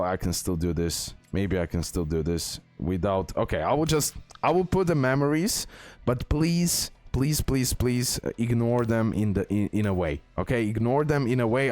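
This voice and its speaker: A man's voice: lowish voice, a little mellow. A man giving casual, emphatic game guide commentary, often repeating himself as he addresses his viewers. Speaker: gaming content creator, host.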